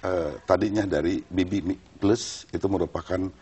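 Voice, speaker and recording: Pria bersuara rendah, agak serak. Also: male voice, low-pitched, steady tone, darkish tone, husky. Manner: halting, repeating words. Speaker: government official, panel guest. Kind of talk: explanatory interview answers.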